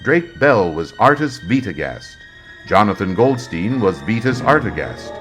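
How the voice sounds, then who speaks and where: A man hosting a radio drama in old-time announcer style, measured, formal and dramatic. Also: on the low side, very animated. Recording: music behind the voice. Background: music.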